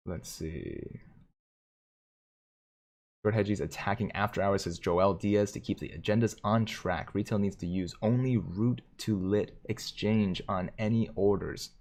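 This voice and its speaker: A man hosting a live stream, commenting on stock charts and reading viewer comments aloud with excitement. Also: fairly low pitch, a little slow. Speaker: livestream host.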